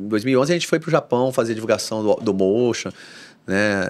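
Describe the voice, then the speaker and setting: This man's voice sits fairly low. He keeps to a moderate pace. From Brazil. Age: 40s. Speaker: guitarist and music teacher; music teacher. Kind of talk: casual chat. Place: studio. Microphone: studio mic.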